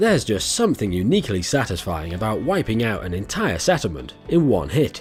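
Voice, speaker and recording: This man talks at a fairly quick pace with a fairly low pitch and hardly any pauses. Music plays in the background. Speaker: gaming video narrator. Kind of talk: scripted gameplay narration.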